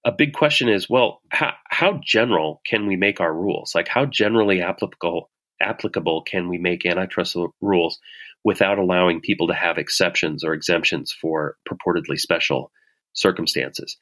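A middle-aged man, an author being interviewed, explaining ideas in a hesitant, thoughtful way with many pauses and restarts. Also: deep voice, a bit bright. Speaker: author and guest. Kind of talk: casual spoken explanation.

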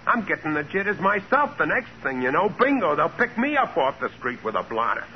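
A man's voice: fairly high pitch, very animated, a little fast. An American man playing a stubborn, jittery working-class window washer in a 1940s radio drama, with a tough, blunt way of talking. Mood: agitated, stubborn. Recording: muffled 1940s radio recording, faint noise.

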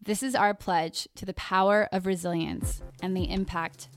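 A woman's voice: medium pitch, steady tone, normal speed, soft background music. A woman hosting an interview podcast, reading a polished scripted introduction and then chatting casually with her guest. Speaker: podcast host.

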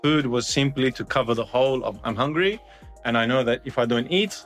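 A man's voice: medium pitch, brisk, fairly bright tone, faint music behind. Man telling his story. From Australia. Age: 40s. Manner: earnest, many restarts and fillers. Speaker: guest, company founder. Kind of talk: casual interview chat.

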